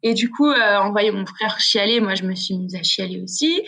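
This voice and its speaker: Woman, from Switzerland, podcast guest, casual slangy chat, many restarts, mid pitch. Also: moderate pace, a bit bright. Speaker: guest, freestyle skier.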